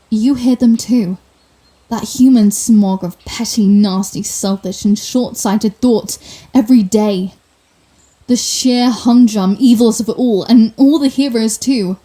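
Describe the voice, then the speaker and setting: A woman playing a proud, sardonic telepathic villain with a secret soft side, in a theatrical, wry manner for an intimate ASMR roleplay. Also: fairly high pitch, close to an everyday voice. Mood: grandiose, bitter. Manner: theatrical, wry, flustered denials, grand pronouncements.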